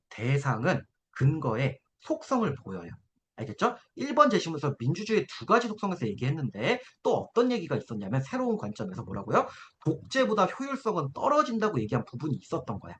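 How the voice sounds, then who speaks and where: A high-voiced man lectures an exam-prep essay class, his pitch bouncing up and down as he explains. He keeps pausing to ask whether the students follow, over a faint hiss of background noise. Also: a bit bright. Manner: coaxing, keeps checking in with students. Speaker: essay-writing instructor.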